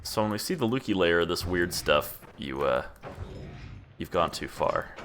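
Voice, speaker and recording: A chatty young man in his twenties with a fairly low voice, talking loosely through a gaming stream. He rambles and laughs at himself as he plays. A faint hiss sits under the recording. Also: lively intonation, moderate pace, fairly bright tone. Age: 20s. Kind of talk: casual gameplay commentary chatting with chat.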